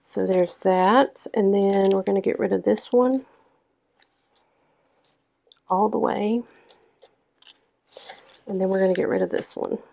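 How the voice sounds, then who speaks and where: A young woman with a hoarse, stuffed-up voice chatting casually through a planner-decorating vlog. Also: mid-range voice, steady tone, dark tone. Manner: chatty, lots of ums, unhurried. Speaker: planner vlogger. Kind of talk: casual plan-with-me narration.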